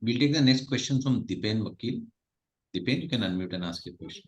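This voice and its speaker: A man's voice: medium pitch, expressive, a little fast. A man with an Indian accent moderating a conference call and relaying questions.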